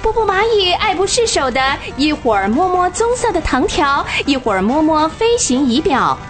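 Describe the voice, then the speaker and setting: A woman narrating a children's radio drama with expressive, vivid storytelling. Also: sits high, moderate pace, music in the background.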